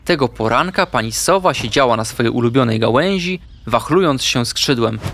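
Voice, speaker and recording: A man narrating a children's audio story with lively, expressive storytelling. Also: mid-range voice, normal speed, slight background noise.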